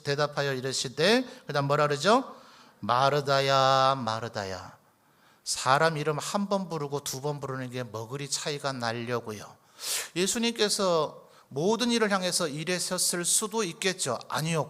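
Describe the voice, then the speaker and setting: A man preaching in a church, his voice sitting a little high and sounding bright and forceful. He keeps the congregation engaged with rhetorical questions and briefly acts out the lines he quotes. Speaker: pastor. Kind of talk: sermon. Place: church sanctuary.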